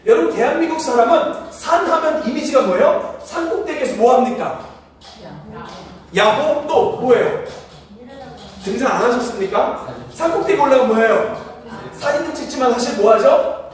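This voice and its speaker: A man preaching a sermon as pastor, quizzing the congregation, having them repeat after him, and chuckling often. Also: extremely high pitch. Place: church sanctuary. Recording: echoey church hall from far off.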